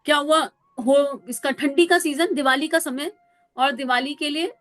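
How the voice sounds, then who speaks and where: A woman spiritual counsellor giving a devotional talk, telling stories in an animated way and mixing in English words. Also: high-pitched, a little slow, dry recording.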